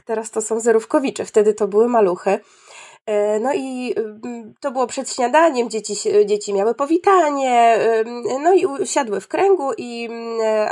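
A woman who works at a preschool, telling a story in a relaxed discussion with many fillers and restarts. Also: a little high. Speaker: preschool teacher. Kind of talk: casual discussion.

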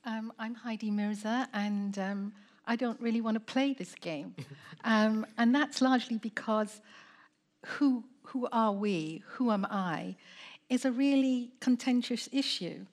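A woman's voice: on the high side, measured pace, a little mellow. Woman academic, firm and earnest, Caribbean-born. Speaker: professor, panelist. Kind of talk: live panel discussion.

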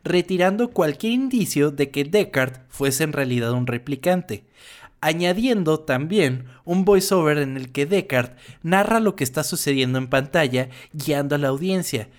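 A man's voice: fairly high pitch, expressive, moderate pace. A young man with a Mexican accent hosting a casual podcast, reading notes aloud and bantering with his co-host. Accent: Mexican Spanish.

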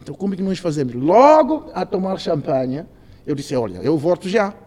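A man's voice: fairly high pitch, big pitch swings, fairly quick, warm tone. A man, a podcast guest, telling a story with lots of energy and acting out the voices of the people in it. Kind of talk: animated storytelling.

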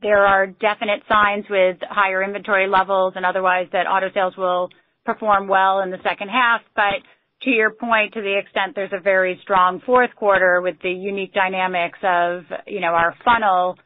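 A woman company executive answering questions on an earnings call in measured corporate language. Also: medium pitch, little pitch movement, no room sound. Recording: muffled, band-limited conference call audio.

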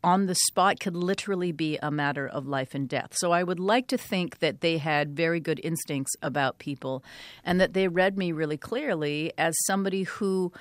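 A woman's voice: lowish voice, moderate pace, dry recording. A woman in her fifties, from Canada, speaking as a guest in a radio interview, candid and earnest, reflecting with frequent ums. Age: 50s. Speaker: guest, author.

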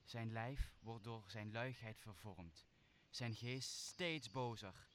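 A stern sorcerer bent on revenge, acted by a man in a radio drama. His voice is fairly low, solemn and commanding, with faint noise behind it. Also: slow pace, a bit bright. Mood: bitter, vengeful. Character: commanding, vengeful magician master of spirits. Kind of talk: radio play acting of Shakespeare.

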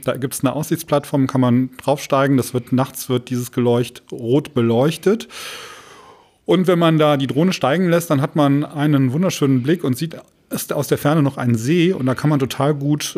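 A man's voice: medium pitch, darkish tone. A man chatting casually as a podcast co-host, explaining things and often searching for words.

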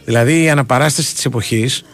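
A man's voice: medium pitch, faint music behind. A man co-hosting a radio show, telling a long, rambling story full of fillers and restarts. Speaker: radio sports show co-host. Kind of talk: casual radio chat.

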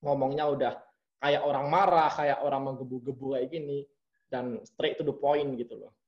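Animated man on a dull recording. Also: medium pitch, normal speed. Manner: animated, mimics blunt speech. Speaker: interview guest. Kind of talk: casual interview chat.

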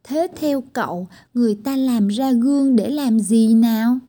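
A woman's voice: on the high side, unhurried, warm tone, natural voice. A woman voicing a vain white-haired tiny girl who complains while fussing with her hat in a children's storybook. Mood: retorting. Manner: complaining, exclaiming.

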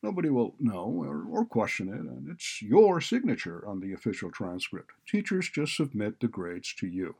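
A man's voice: on the low side, very animated, moderate pace, gravelly, hardly any pauses, a little mellow, husky, full character voice. A man voicing a cynical, bullying college administrator who talks in a blunt, sardonic, browbeating way. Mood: cynical, breezy.

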